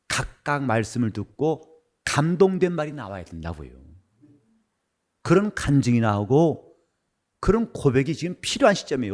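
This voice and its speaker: Hoarse, animated Korean pastor. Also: male voice, fairly high pitch. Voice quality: husky from a worn voice. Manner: animated, swings between loud outbursts and quiet asides. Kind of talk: sermon. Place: church sanctuary.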